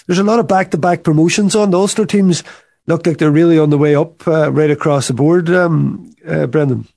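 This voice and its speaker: A man with a slightly higher-pitched voice hosts a sports show. He talks casually, in the manner of radio chat with a guest. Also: fairly quick, vocal fry, darkish tone.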